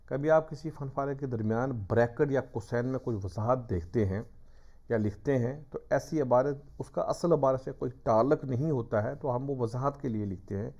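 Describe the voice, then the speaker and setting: A man's voice: mid-range voice, warm tone. A male teacher giving a classroom lecture, patiently explaining step by step with examples. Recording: dull lo-fi recording.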